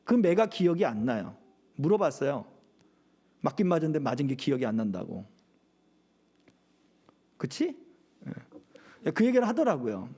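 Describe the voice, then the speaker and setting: A man's voice: a little high, very animated, moderate pace, long pauses, mellow, husky. A middle-aged male pastor preaching a sermon at a church service, often asking the congregation rhetorical questions.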